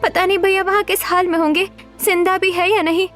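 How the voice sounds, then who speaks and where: Earnest, pleading young sister-in-law in a cartoon, a woman doing the voice, pitched up high. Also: level tone, a little fast, fairly bright tone, soft background music. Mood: worried. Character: young sister-in-law, anxious and guilt-ridden. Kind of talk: cartoon story voice acting.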